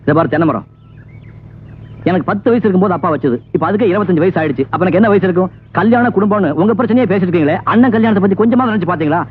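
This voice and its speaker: A quick-tongued, sarcastic village landowner buried in debt, played by a man who rattles off his lines at great speed in a fairly high voice. The sound is thin and phone-like, as on an old film soundtrack, with music faintly underneath. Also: a little hiss or hum, close to an everyday voice. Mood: bickering. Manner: quick, wry and sarcastic, flaring into anger. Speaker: eldest brother, indebted landowner. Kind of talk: 1980s film acting.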